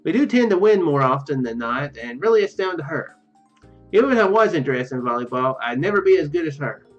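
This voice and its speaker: A man doing casual game commentary and reading visual novel text aloud, rambling, halting and often correcting himself. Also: fairly high pitch, sing-song. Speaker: let's play video host. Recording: muffled lo-fi mic, music behind. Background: game music.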